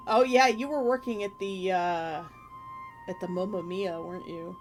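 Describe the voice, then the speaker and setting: Female streamer, casual and meandering talk, medium-pitched voice, faint music bed. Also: steady tone, moderate pace. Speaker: streamer and artist hosting a live stream. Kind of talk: casual livestream chat.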